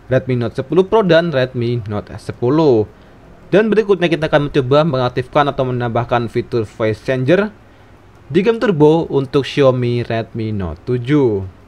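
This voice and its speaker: Male tutorial narrator, mid pitch, steady instructional read, faint music underneath. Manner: steady, step-by-step instructional reading. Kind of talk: scripted tutorial voice-over. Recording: voice-over with faint background music.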